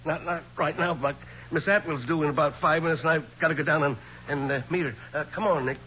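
Actor as a high-pitched, folksy small-town sheriff. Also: male voice, quick pace, lightly acted. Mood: insistent. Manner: folksy, blunt, colloquial. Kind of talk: 1940s radio crime drama acting. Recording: muffled, noisy 1940s radio recording.

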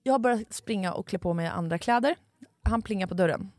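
Lively storytelling woman podcaster. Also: medium pitch, no room sound, studio quality. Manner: animated storytelling, swears freely. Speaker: podcast co-host. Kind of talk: casual chat.

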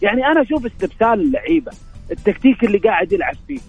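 A man calling in to a radio show, hoarse and emphatic, his voice nearly gone. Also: sits high, rapid-fire, muffled recording, soft background music. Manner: excited, emphatic, swears oaths. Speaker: caller.

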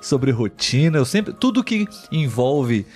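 A Brazilian man co-hosts a live podcast, speaking in a slow and deliberate way meant for learners. He keeps checking in with his audience and his co-host as he goes. A faint music bed plays underneath him. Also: medium pitch, sing-song, darkish tone. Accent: Brazilian Portuguese. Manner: slow, clear, teacherly delivery with frequent "né?" checks.

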